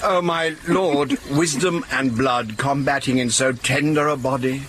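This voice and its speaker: A man's voice: medium pitch, measured pace, fairly bright tone, slight background noise, lightly acted. A man reading the part of an aging nobleman and uncle, in a stumbling, laughing amateur reading of a classic comedy. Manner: stumbling, laughing, filler-heavy line reading.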